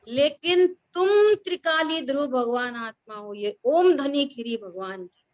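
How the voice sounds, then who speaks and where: A woman's voice: a little high, a bit bright. A woman teaching a scripture class, who keeps questioning her listeners and repeating key words.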